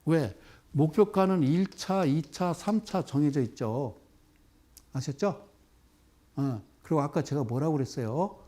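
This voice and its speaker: A man giving a televised investment lecture as a stock market expert. He talks emphatically and keeps checking that listeners follow with quick rhetorical questions. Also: fairly high pitch. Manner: animated, with sudden exclamations and chanted sequences.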